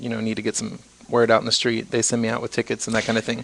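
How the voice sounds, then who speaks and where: A man rattles along at a very fast pace in a medium pitch. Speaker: event host and promoter. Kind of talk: casual chat. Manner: talkative, outgoing.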